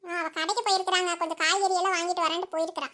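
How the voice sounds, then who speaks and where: A woman voicing a high, quick young village wife. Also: flat delivery, pushed and bright. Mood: protesting. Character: young village wife, gentle, mildly protesting. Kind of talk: cartoon voice acting.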